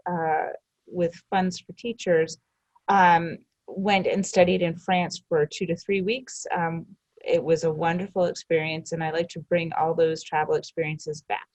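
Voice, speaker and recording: A woman's voice: on the low side, dry recording, rough recording. A woman who teaches French and Spanish, giving a back-to-school night overview with frequent "um" fillers. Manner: many "um" fillers, earnest.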